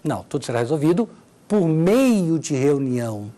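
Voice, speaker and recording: Her warm, low-sitting voice moves at a moderate pace with big pitch swings as she teaches Portuguese grammar in a televised lesson. She has a Brazilian Portuguese accent, goes through examples and checks in with listeners.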